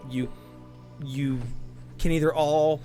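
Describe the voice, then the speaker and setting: A man narrating a tabletop game as game master, in a halting, conversational way. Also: fairly high pitch, fairly even intonation, dark tone. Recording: music behind the voice. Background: background music.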